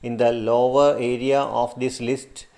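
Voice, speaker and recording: A middle-aged Malayali man talks a class through a screen-recorded tutorial, and his English carries the accent of his Malayalam first language. He speaks haltingly, stops often on fillers, and restarts his sentences. He is picked up by the built-in microphone of a laptop in a small room. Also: medium pitch, little pitch movement, warm tone. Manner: halting, many fillers and restarts, gestures while talking. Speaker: teacher. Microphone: built-in laptop mic.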